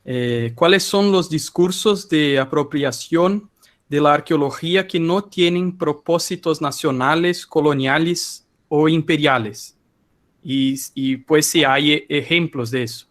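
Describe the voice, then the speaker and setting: Man, student moderator, polite, halting, reading a question, slightly high voice. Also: fairly bright tone.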